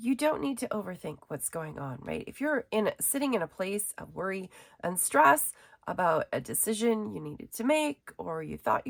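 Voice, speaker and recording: A woman speaks in a warm tone at a moderate pace. Her pitch swings very widely. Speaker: tarot and oracle card reader. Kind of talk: tarot reading talk to camera. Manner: casual, warm, hesitant with fillers.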